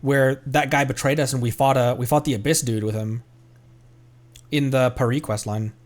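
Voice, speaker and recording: A man's voice: fairly even intonation, normal speed. A young man streaming a game, talking casually with a tight, strained throat and a slightly shredded voice, rambling with fillers and restarts. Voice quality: tight throat, voice pushed into a higher register. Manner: rambling, with many fillers and self-corrections. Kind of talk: casual live gameplay commentary.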